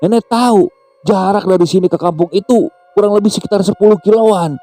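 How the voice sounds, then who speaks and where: A man's voice: mid-range voice, steady tone, quick pace, mellow, no echo, soft background music, close to an everyday voice. A man voicing a flustered young father who defends himself. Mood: exasperated.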